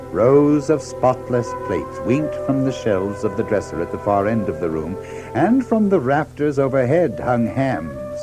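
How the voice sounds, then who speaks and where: Guy narrating a kids storybook, really lively pitch, measured phrasing, music behind him.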